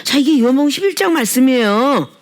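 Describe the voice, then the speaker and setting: Woman pastor, emphatic sermon, tag questions, lively up-and-down pitch. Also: fast. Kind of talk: sermon at a healing service.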